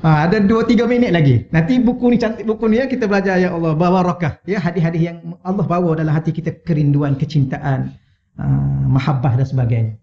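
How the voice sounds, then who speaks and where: Malaysian ustaz lecturing with humor. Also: male voice, a little high, quick pace, a little mellow, lo-fi sound. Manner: humorous, acts out little dialogues. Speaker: religious teacher. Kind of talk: mosque religious lecture. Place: mosque hall. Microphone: wireless lavalier.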